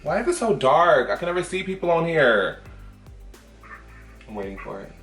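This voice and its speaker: A man's voice: on the high side, sing-song, moderate pace, a bit bright. A man talks as a sassy, chatty drag queen in a casual vlog. The room echoes around the voice and music plays behind. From Oakland, California. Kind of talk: casual chat with strangers on video chat. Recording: roomy echo with music behind.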